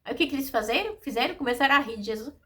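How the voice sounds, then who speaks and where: A woman preaching a sermon in a lively way, acting out the scenes she tells. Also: sits high, rapid-fire. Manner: animated, acts out the scenes in voices.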